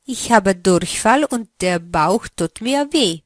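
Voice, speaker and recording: A woman running a language lesson, giving slow, carefully articulated prompts for the learner to answer. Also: mid-range voice, expressive, no echo, clean studio sound. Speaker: language teacher.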